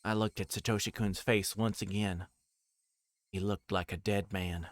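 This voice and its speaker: With a low-leaning voice at a moderate pace, a man streams a visual novel and reads it aloud live, adding asides and correcting the occasional stumbled line. There's no room sound, though a steady noise runs behind his voice.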